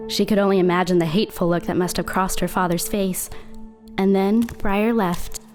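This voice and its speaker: A woman playing a haunted, confiding teenage girl who narrates a horror audio drama in a deliberate, dramatic way. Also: medium pitch, steady tone, a little mellow, faint music behind, close to an everyday voice. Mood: hushed suspense.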